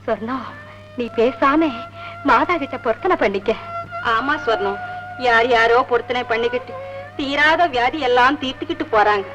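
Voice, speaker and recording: A village neighbor woman , played by an actress, with a high voice, soothing and advising. Old film soundtrack with loud music under her lines. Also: normal speed, close to an everyday voice, poor audio. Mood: consoling. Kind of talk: 1970s film drama dialogue.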